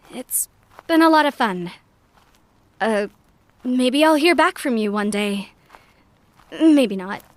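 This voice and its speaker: Dry, close sound; a young female scavenger and survivor, fairly high voice, musing and wry, warm-hearted, conversational sci-fi audio drama monologue. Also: dry recording. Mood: fond farewell. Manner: musing, conversational, spoken as a recorded message.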